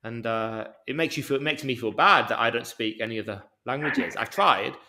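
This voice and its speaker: A man with a mild Birmingham accent talks through a casual interview at a medium pitch. He speaks deliberately and a touch slowly, picking his words carefully for international listeners. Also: pushed and bright. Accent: mild Birmingham English. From England. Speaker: yoga teacher, podcast guest.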